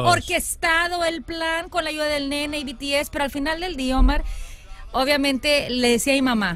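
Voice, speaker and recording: With faint music in the background and a dry sound with no echo, a woman speaks at a high pitch and a moderate pace with ordinary pitch variation. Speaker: radio host. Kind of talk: casual radio banter. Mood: warm, emotional, grateful. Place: studio. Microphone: studio mic.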